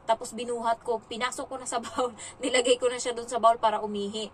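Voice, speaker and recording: A woman's voice: fairly high pitch, little pitch movement, fast talker, far from the mic, a little hiss or hum, rough recording. A young woman from the Philippines, a domestic helper, chatting casually in a vlog and retelling her day with lots of fillers.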